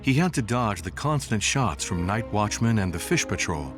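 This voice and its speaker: Male documentary narrator: scripted, measured storytelling, lively rise and fall, music underneath. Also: on the low side. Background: music bed.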